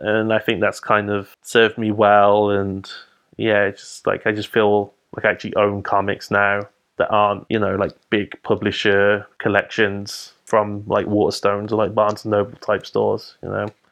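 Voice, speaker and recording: With a Birmingham accent, a man talks at a moderate pace in a fairly low pitch and a monotone, flat intonation. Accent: Birmingham English (Brummie). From England, Birmingham. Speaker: comic book artist. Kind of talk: casual interview.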